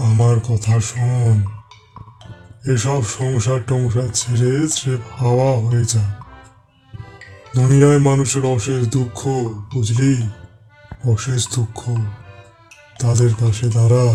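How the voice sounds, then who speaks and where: A man's voice: mid-range voice, dark tone, natural voice. A man playing a brusque, freeloading holy man who preaches and orders people about in an audio drama. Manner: preachy, scolding, commanding.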